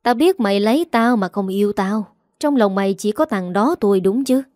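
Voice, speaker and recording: Drunk jealous husband in a spoken story, sneering, accusing, read by a woman, warm low-toned voice, dry close sound. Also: animated, normal speed, dry recording, lightly acted. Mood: bitter, accusing. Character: drunk jealous bullying husband, middle-aged man.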